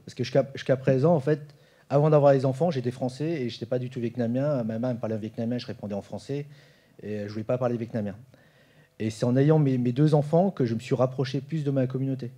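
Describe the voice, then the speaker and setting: Man in his forties, very dark mellow tone, halting panel talk with frequent fillers. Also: medium pitch, fairly even intonation. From France. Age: 40s. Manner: hesitant, many fillers and restarts. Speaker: roundtable panelist. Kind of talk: informal conference talk. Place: conference room.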